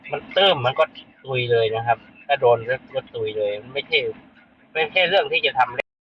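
A man's voice: mid-range voice, expressive, a little fast, lo-fi sound, slight background noise. A man hosting a casual live stream, talking bluntly and chattily to his viewers. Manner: blunt, chatty, addresses viewers as brothers and sisters. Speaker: livestream host. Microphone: streaming setup.

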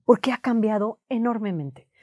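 A woman, a guest therapist in a casual conversation, calm and measured. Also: a little high, no room sound, clean studio sound. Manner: calm, measured, avoids swearing.

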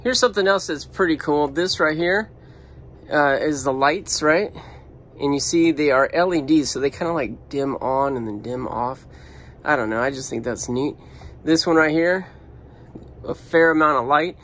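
A man's voice: a little high, normal speed, fairly bright tone, a little hiss or hum. A man chatting offhandedly as he shows around a van, filming on a handheld phone. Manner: chatty, offhand, thinking aloud. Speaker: vlogger. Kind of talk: casual walkaround video. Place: inside a parked van.

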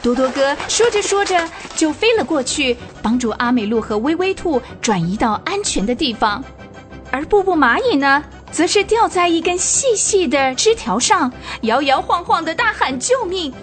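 A woman narrating a children's radio drama in an expressive storytelling manner. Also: high-pitched, normal speed, soft background music.

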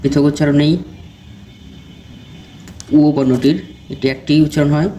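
A man teaching exam preparation, reading out quiz questions and then giving each answer in a steady question-and-answer recitation. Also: fairly high pitch, normal speed, muffled recording, a little hiss or hum.

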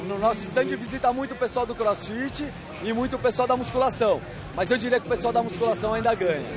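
A physical educator explains the contests at his stand in a plain, matter-of-fact way. His voice is high for a man, and the crowded hall murmurs behind him. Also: quick pace. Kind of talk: interview answers. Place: busy indoor sports expo. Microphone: reporter's handheld mic. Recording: crowd noise at an expo.

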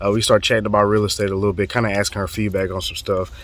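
A man from the southern United States with a hoarse, fading voice, telling an animated, profane story in a casual vlog. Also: on the low side, very fast. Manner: animated, profane, acts out quotes. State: hoarse, voice going. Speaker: real estate vlogger.

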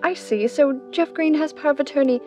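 Woman as a high-voiced, concerned lady. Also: a little fast, close to an everyday voice. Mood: concerned, probing. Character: concerned, inquisitive female friend of the family. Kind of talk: 1930s radio drama acting. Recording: distant, muffled, music behind.

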